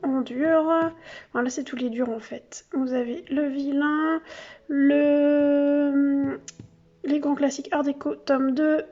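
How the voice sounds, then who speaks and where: A woman's voice: high voice, little pitch movement, slow, warm tone, dull audio, soft background music. A woman vlogging casually from her home office. She chats as she shows her collection, with many fillers and self-corrections. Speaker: craft vlogger. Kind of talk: casual show-and-tell vlog. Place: home office under yellow artificial light.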